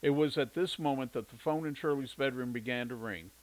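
A man narrating a story in an even, steady reading voice. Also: mid-range voice, fairly quick, rough recording.

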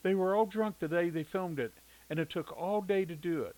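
A man reads aloud as a weary small-town 1970s mother in a storybook, her voice pushed high and fretful. She is brusque with her kids but tender underneath. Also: normal speed, darkish tone, close to an everyday voice, low-quality recording. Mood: amused. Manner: raised, fretful pitch.

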